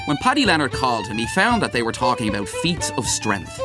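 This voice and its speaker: A man narrating literary fiction as an audiobook reader, with dramatic, measured storytelling. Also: mid-range voice, very animated, loud music behind the voice. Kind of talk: expressive scripted literary narration.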